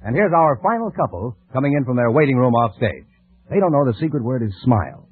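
A man announcing on a 1940s radio show, reading sponsor pitches and game updates. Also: sing-song, quick pace, husky, no room sound. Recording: muffled, dry old radio recording.

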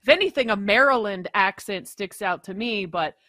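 Bright-voiced chatty woman co-host. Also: medium pitch, expressive, moderate pace, dry recording. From near Washington DC area. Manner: chatty, laughs while talking. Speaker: podcast co-host. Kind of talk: casual chat.

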